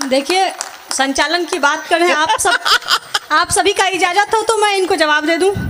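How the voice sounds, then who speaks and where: A woman's voice: extremely high pitch, a little slow, fairly bright tone. A woman poet from Bihar bantering on an outdoor stage, firing witty comebacks at the host into a stage mic. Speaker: poet performing at a poetry gathering. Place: outdoor stage before a crowd. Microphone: stage microphone.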